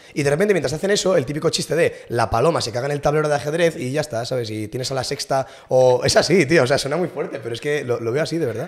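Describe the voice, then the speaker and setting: A man speaks at a very fast pace with hardly any pauses, in a fairly high pitch. His pitch variation is ordinary, and the background is quiet. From Asturias, Spain. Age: 20s. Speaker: journalist and researcher; journalist. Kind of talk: casual chat. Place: home room. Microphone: studio mic.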